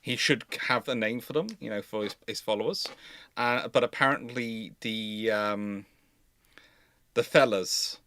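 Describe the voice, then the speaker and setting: A man's voice: on the low side, a little slow, bright, forceful tone. A man hosting a casual live history discussion, explaining things in a chatty, digressive way and often circling back on his words. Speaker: live stream host.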